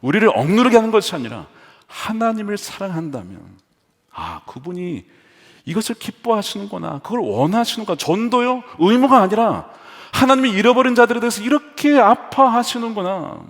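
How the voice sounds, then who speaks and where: A male pastor preaching an animated sermon in a church sanctuary, mixing humor with rhetorical questions. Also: high-pitched, normal speed. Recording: long reverb of a large hall.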